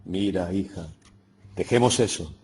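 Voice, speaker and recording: A man voicing an anguished elderly village priest in an audiobook reading, speaking softly and sorrowfully. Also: deep voice, unhurried, a little hiss or hum.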